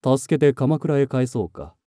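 Man doing a proud samurai lord, bold, declaiming, raised voice, dark tone. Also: mid-range voice, animated, unhurried, no room sound, studio quality, natural voice. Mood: mocking. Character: commanding young male samurai lord.

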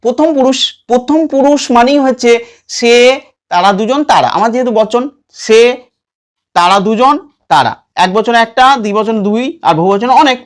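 A man teaching a lesson. He patiently recites verb forms over and over in a slow chant and keeps checking that students follow. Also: extremely high pitch. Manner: checks in with listeners often. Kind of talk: classroom lesson with recitation drills.

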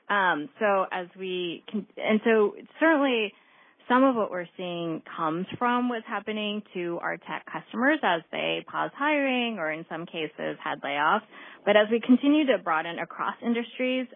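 A woman answering analyst questions as a company executive, speaking in polished business language. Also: mid-range voice. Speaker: company executive on an earnings call. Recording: muffled narrowband phone line.

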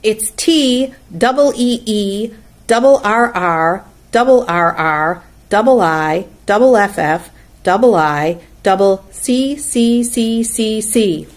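A fussy, stammering gander put on by a woman reading a storybook, squawking each word over and over. His voice sits far up in pitch and bounces around. The repetition is a constant habit. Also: animated, normal speed. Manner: stammering, repeating words in threes. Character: fussy male gander who repeats every word.

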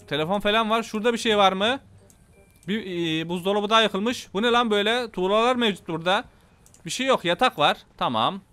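A man with a Turkish accent giving excitable, casual gameplay commentary, talking to his viewers and swearing playfully. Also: sits high, brisk, faint music behind. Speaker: gameplay YouTuber.

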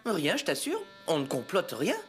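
A man playing a friendly, patient father in a French children's cartoon, animated and coaxing. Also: fairly high pitch, moderate pace. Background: background music.

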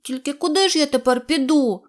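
A woman's voice: high-pitched, a little fast, voice pushed up, natural voice. A woman voicing a thin, wet, timid little male black kitten in an audio storybook, with a plaintive mewing manner. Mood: pleading.

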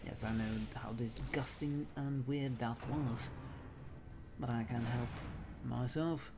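A man's voice: medium pitch, steady tone, takes it slowly, vocal fry, background noise. A man giving playful let's play commentary in a theatrical, mock-genteel manner with a put-on accent. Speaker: gamer commentating own play.

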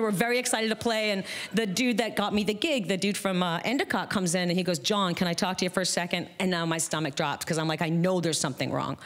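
Middle-aged woman storyteller, animated delivery, acts out voices, live stage telling. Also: medium pitch. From Massachusetts, USA. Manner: animated, quotes people in lively voices.

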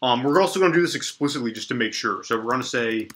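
Bright-voiced young man with allergy sniffles. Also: medium pitch, fast talker. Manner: relaxed, lots of ums and restarts, thinks aloud while typing. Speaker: coding tutorial host. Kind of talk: casual screen-recorded coding tutorial. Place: small indoor room at a desk.

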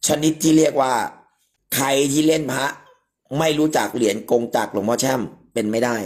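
A man hosting a live stream, explaining the details of an amulet coin in an emphatic, explanatory way with frequent polite particles. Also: mid-range voice. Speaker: amulet expert host.

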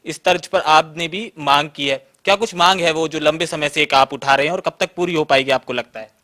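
A man's voice: fairly high pitch, brisk, pushed and bright. A man with a Western Uttar Pradesh Hindi accent, a reporter asking long interview questions with "uh" fillers.

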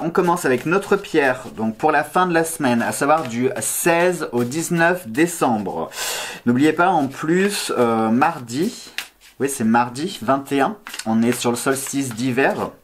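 A man's voice: mid-range voice, a little hiss or hum. A man in his thirties with a slight slushy lisp, hosting a casual tarot vlog in a playful, self-teasing, digressive way. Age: 30s. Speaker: tarot card reader and video host. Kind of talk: casual chatty vlog to camera. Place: small indoor room, seated at a table.

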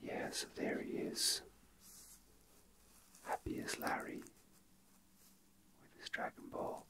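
A man whispering softly and breathily in a casual, unscripted ASMR style, with halting delivery, close to the microphone. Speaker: ASMR video host.

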